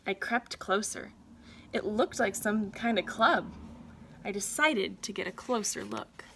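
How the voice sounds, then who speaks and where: A woman reading a children's story aloud like a teacher, with deliberate, dramatic phrasing for young listeners. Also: medium pitch, animated, fairly bright tone, a little hiss or hum.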